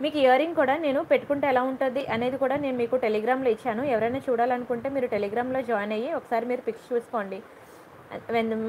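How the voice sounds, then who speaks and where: A woman with a high, bright-toned voice hosts a live jewellery sale. She chats warmly with viewers, greets them by name and keeps asking "okay?" as she goes. A faint background hiss sits under her voice. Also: poor audio. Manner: warm and chatty, greets viewers by name, repeats "okay?" to check in; mixes English words and phrases into her Telugu. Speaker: jewellery seller on a live stream. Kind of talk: chatty live sales stream.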